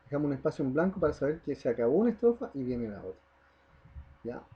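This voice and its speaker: A man's voice: a little high, sing-song, fast talker, breathy edge, muffled recording. A man teaching a primary school class, explaining step by step, stressing the example words and often checking in with the children. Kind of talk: recorded online class lesson.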